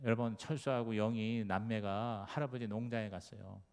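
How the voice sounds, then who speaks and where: A man's voice: on the low side, fairly even intonation, moderate pace, vocal fry, darkish tone, smooth. A male pastor preaching a sermon, telling stories and driving points home with rhetorical questions. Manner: storytelling, emphatic rhetorical questions. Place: church sanctuary. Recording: long reverb of a church sanctuary.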